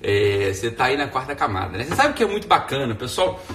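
Brazilian guy doing a live stream at home, rambly and slangy, sharp voice, echoey room, kinda far from the mic. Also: medium pitch, big pitch swings, quick pace, a little hiss or hum. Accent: Brazilian Portuguese. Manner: rambling, slangy, tags sentences with "né". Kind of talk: casual live stream monologue.

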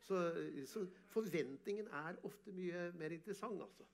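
A man, an artist and photographer, telling animated, boastful stories in an interview and often laughing. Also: high-pitched, a little hiss or hum. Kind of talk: casual storytelling interview.

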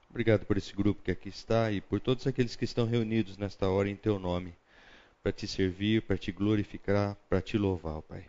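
A man's voice: on the low side, a little mellow, highs cut off. A Brazilian man leading a Bible study: he prays, then teaches in a chatty way, thinking aloud and often checking in with the group. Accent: Brazilian Portuguese. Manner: chatty, thinks aloud, frequent tag questions. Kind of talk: opening prayer, then conversational teaching.

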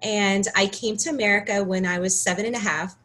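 Appearing as a guest in a relaxed interview, this Ukrainian woman in her thirties, a pharmacist, talks earnestly, with frequent restarts and plenty of "you know"s. She has a steady, medium-pitched voice with a sharp tone and a brisk pace. The audio is poor.

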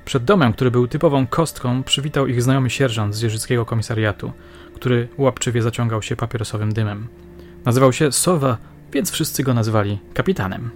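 Brief: male audiobook narrator for a crime novel, steady and measured. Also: mid-range voice. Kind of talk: scripted narration.

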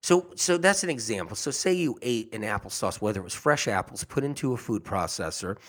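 A man's voice: fairly low pitch, lively intonation, brisk, fairly bright tone. A man talking casually and earnestly to his audience about health, rambling and often repeating himself. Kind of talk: casual monologue.

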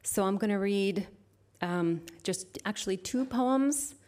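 A woman speaking as a poet at a live reading, with measured, deliberate phrasing into an event microphone. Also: mid-range voice, darkish tone. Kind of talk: live poetry reading with informal introduction. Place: live literary event before an audience.

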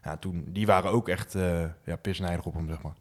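A man's voice: sits low, fairly even intonation, brisk, breathy edge. A man co-hosting a casual football podcast, chatty, telling match moments with lots of fillers. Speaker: podcast co-host.

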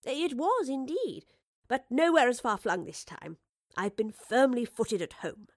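Female professor-adventurer, voiced by a woman narrator, storybook. Brisk, cheerful, affectionate, politely old-fashioned. Dry. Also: a little high, lively intonation, no echo, voice pushed up. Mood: confident.

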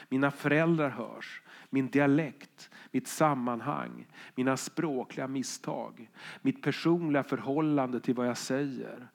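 A man lecturing in a calm, reflective way, pausing over his ideas and reading out quotes. His voice has a gravelly creak and sits at an ordinary male pitch. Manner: reflective, measured delivery with quoted passages. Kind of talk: spoken lecture on the voice.

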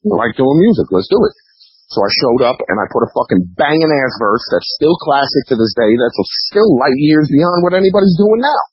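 A man's voice: mid-range voice, very animated, a little fast, husky, no echo. A man speaking bluntly and profanely in a casual phone interview, often repeating himself and mimicking what other people say. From New York, US. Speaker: interview guest, underground rapper. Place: phone call. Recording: dull lo-fi phone line.

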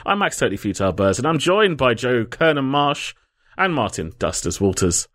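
A man's voice: medium pitch, sing-song, moderate pace, a bit bright, no echo, studio quality. Jokey guy hosting a podcast. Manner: jokey, rambling, laughs at himself. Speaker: podcast host. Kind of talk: casual podcast chat.

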